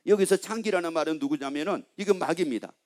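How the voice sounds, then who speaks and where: A man's voice: a little high, fast, a little mellow. A male pastor preaching a sermon in a church, emphatic and constantly asking the congregation questions.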